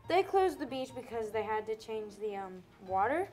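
A woman's voice: fairly high pitch, big pitch swings, moderate pace, darkish tone, faint music behind. A woman voicing a bossy, snooty lady in a puppet show, haughty and impatient.

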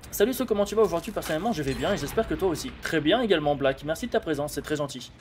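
A young man with a French accent commenting live on a game, excitable and laughing as he chats with viewers. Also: a little high, quick pace. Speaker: streamer. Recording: music playing behind.

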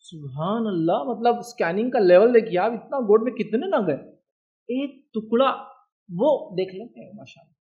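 A man's voice: sits high, animated, normal speed, narrow, tinny audio. A man with an Indian accent giving an Islamic lecture, talking in a chatty way and often asking his listeners whether they understand. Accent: Indian Hindi-Urdu. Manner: conversational, keeps asking "do you understand?". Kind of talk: religious lecture.

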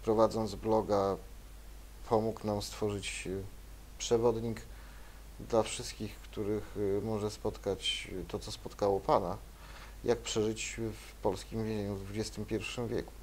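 A man's voice: on the low side, little pitch movement, unhurried, a little mellow, a little hiss or hum. A young man interviewing a guest in a small studio, putting in brief, pointed questions. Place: small studio with curtain backdrop.

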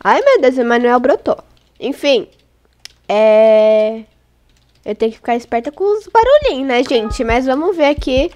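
A woman hosting a gaming channel, congested with a cold, chatting excitably to her viewers and squealing when startled. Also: sits high, a little slow, a little hiss or hum. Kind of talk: casual gameplay commentary.

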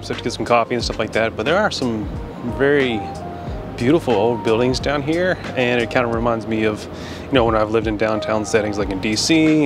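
An American man in his thirties from Louisiana talks casually and reflectively as he walks outdoors, rambling informally into a handheld camera. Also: medium pitch. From Shreveport, Louisiana, United States. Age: 30s. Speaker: vlogger, creative freelancer. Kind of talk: casual walk-and-talk vlog. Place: outdoors on a downtown street. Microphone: handheld camera at arm's length. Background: background music.

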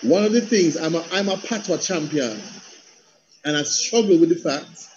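High, dark-voiced Jamaican man on video call. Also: normal speed, a little hiss or hum. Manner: animated, rhythmic, slips into patois. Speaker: panel guest, theatre practitioner and coach. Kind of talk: passionate conversational talk. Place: indoor room at home on a video call. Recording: dull video call audio.

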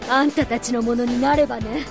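A woman's voice: on the high side, steady tone, brisk, creaky. A woman playing a bold, confident young fighter with an assured, spirited delivery in a radio drama. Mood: cool, taunting. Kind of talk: Japanese anime-style radio drama acting. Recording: music behind the voice.

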